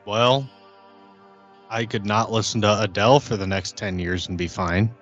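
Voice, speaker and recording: Casting: male tabletop player, somewhat low pitch, courteous measured improvised dialogue, music behind. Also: a bit bright, dull audio.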